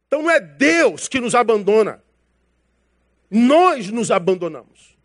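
A man's voice: very high voice, sing-song, measured pace. A man preaching a sermon as a pastor. He talks in a casual, slangy way, calls his listeners brother, and acts out dialogue from his stories.

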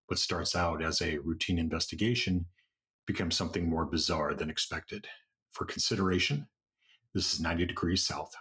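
A man with a husky voice giving a scripted introduction to an audio drama as its creator. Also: low voice, steady tone, moderate pace, a bit bright.

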